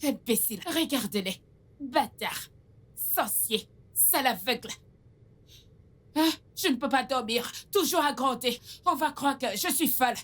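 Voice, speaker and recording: An actress playing a cruel, bitter aunt who scolds and threatens with insults. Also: female voice, high-pitched, animated, unhurried, fairly bright tone, full character voice. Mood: scolding. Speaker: abusive aunt. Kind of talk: dubbed film drama.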